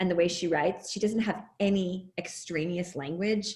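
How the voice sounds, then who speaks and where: The voice is somewhat breathy. Its intonation is fairly even. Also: woman. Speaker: law professor, former supreme court clerk. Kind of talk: panel conversation. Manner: fast.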